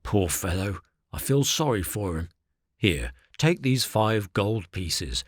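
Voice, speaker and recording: A big bearded showman, as a man puts him on, gruff and low but with a soft heart. He speaks slowly from a close, dry recording for a storybook. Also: very animated, dry recording, heavily acted. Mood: kindly. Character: huge gruff bearded puppet master, softened.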